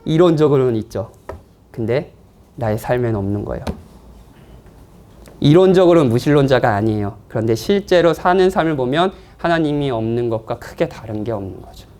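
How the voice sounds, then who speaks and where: Lively male pastor preaching conversationally. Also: medium pitch, fairly quick. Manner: animated, conversational, playful with the congregation. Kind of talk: sermon. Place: church, afternoon service.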